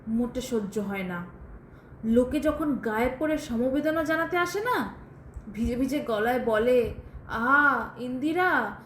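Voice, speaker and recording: A woman acting a bitter, scarred, lonely schoolteacher in a theatrical Bengali audio drama, confiding in the listener with prickly impatience. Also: high voice. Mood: bitter, wounded. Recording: roomy echo, faint noise behind.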